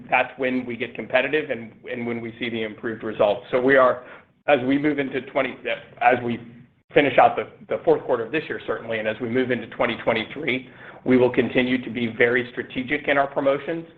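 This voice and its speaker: Over a phone line, a medium-pitched man acting as a company executive fields analysts' questions on an earnings call. His delivery is halting and measured, in a corporate style.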